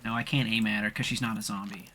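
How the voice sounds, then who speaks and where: A man's voice: lowish voice, steady tone, fast, pushed and bright. A man co-hosting a gaming session, chatting casually with blunt, wry, sometimes profane remarks. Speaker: gaming co-host. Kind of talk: casual chat over gameplay.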